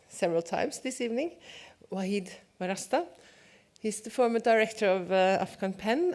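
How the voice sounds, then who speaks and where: A woman's voice: on the high side, a little mellow. Woman hosting an award ceremony. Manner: friendly, informal, with fillers. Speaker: event host. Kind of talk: stage introductions at an award ceremony.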